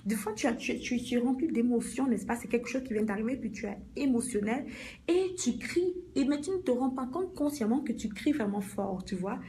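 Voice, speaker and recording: A middle-aged woman talks to her viewers as a life coach, in an animated way, going back over each point. Her voice sits fairly high but sounds mellow and warm. There is a faint hiss behind her. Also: fairly quick. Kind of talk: motivational live talk to viewers.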